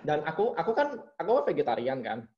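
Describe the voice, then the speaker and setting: Heard through muffled lo-fi audio, a man whose voice sits on the high side talks a bit fast. Appearing as an interview guest, he tells animated, casual stories and acts out the figures in them, especially the bosses he quotes.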